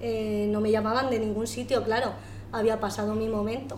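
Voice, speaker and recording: Her pace is moderate as a woman speaks. Behind her, background noise is noticeable. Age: 40s. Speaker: public exam candidate, mother. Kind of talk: testimony.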